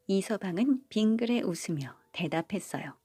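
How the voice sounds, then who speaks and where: A woman reading a bedtime folk tale in a gentle, motherly storytelling manner. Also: medium pitch, animated, normal speed, slightly rough, no room sound. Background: faint background music.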